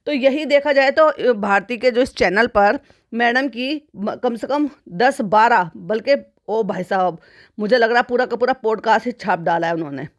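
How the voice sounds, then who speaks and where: A woman's slightly high voice, at a moderate pace, leads a chatty YouTube commentary monologue full of repeated phrases and frequent exclamatory "bhai sahab" asides. The recording is dry and clean, with studio sound.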